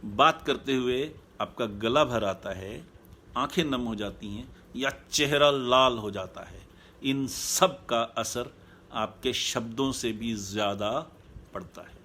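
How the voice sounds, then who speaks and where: Calm, measured male happiness coach. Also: medium pitch, slight background noise. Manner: calm, measured, repeats key points. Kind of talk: live online talk.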